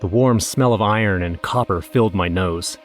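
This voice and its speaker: Male narrator for horror audio drama, an actor in role: lowish voice, grim eyewitness account, dramatic, over music. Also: moderate pace, lightly acted. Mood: dread. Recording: music under the voice.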